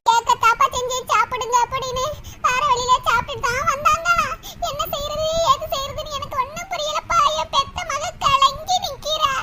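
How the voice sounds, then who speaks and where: An actor voicing a grieving old village mother who speaks in slow, tearful laments in a cartoon. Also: very high-pitched, fairly even intonation, full character voice. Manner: slow mournful pleading. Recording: loud hiss under the voice.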